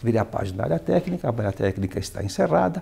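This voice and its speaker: A dark, mellow tone with vocal fry. The pace is fairly quick, and the pitch swings very widely. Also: man. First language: Italian (speaking Portuguese). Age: 70s. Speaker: retired mining engineer and literature scholar. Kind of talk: TV interview. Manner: halting, with fillers and restarts.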